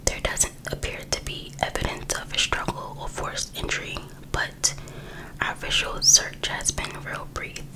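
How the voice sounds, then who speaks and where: Whispering woman reading ASMR, very slow. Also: low-quality recording. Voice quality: breathy unvoiced whisper. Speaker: ASMR creator.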